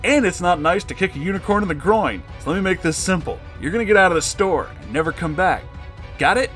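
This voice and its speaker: A man's voice: high voice, lively intonation, fast, a bit bright, faint music behind, voice pushed up. Man as a cocky, mock-sweet unicorn store worker. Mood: sickly sweet scolding. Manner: taunting, sickly-sweet customer service politeness.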